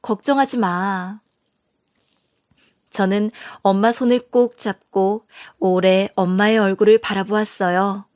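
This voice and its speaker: A woman's voice: mid-range voice, steady tone, a little slow, few pauses, darkish tone, smooth, dry recording, clean studio sound. A woman narrating a scripted first-person story in an earnest, indignant storytelling manner.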